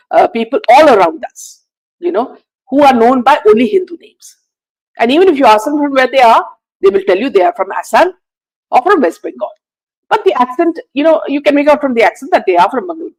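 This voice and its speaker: An indignant woman hosts a live stream, reading out viewer comments. Her voice sits high and leaps about in pitch as she fires off rhetorical questions, hesitating often with "uh" and "you know". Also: darkish tone, poor audio. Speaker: host.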